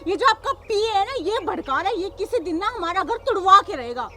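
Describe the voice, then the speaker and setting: A woman's voice: very high-pitched, animated, brisk, bright, forceful tone, heavily acted. A woman playing a defiant young daughter-in-law, a police officer, who lectures her mother-in-law combatively. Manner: combative, lecturing, repeats "samajh gaye".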